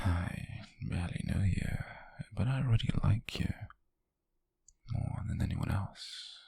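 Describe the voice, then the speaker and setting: A British man playing a possessive, wealthy young yandere in an ASMR roleplay, coaxing haltingly in a breathy, husky whisper with soft menace. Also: low voice, no room sound, exaggerated voice. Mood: wistful, obsessive.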